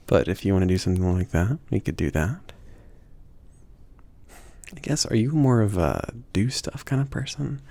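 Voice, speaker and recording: A man playing a bashful, indulgent mage shopkeeper in an intimate ASMR roleplay, speaking in a breathy, gravelly half-whisper with a hesitant, gently teasing, rambling manner. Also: lowish voice, sing-song, measured pace, long pauses, dry recording, full character voice. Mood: casual, reminiscing, then accommodating. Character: soft-spoken, bashful, easygoing male mage shopkeeper, indulgent.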